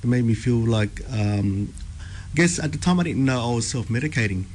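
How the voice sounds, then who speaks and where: A young Australian man telling his life story as a radio guest, halting, with many ums and repeated words. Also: mid-range voice, lively intonation, darkish tone, slight background noise. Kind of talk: personal testimony interview. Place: radio studio.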